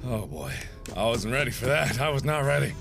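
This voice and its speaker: A man playing a horror game with excitable let's-play commentary, jumpy and dramatic, swearing and swinging from hushed muttering to screaming. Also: medium pitch, a little fast, creaky, music in the background.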